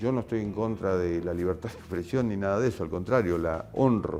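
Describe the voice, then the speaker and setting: A man with an Argentine accent and lively intonation, music in the background. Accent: Argentine Spanish (Rioplatense). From Argentina. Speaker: journalist, international affairs analyst. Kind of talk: interview answer.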